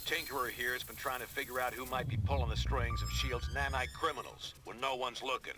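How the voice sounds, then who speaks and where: A man's voice: mid-range voice, steady tone, fairly quick, lightly acted. Blunt team commander played by a man, noisy background. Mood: brisk, blunt. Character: gruff, no-nonsense male team commander giving briefings. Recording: clear background noise.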